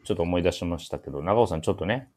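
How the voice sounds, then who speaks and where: Male host, deep voice, casual radio chat, drily teasing co-presenters. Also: lively intonation, very fast, background noise. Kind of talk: casual talk show chat with event announcements.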